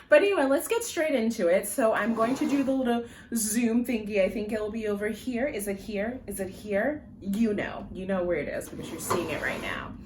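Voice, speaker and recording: A woman's voice: mid-range voice, noisy background. A woman whose first language is Jamaican Patois, chatting to a phone camera at home in a rambling vlog with many fillers and frequent laughs. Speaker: personal finance vlogger. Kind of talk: casual vlog talk to camera. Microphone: phone camera on tripod.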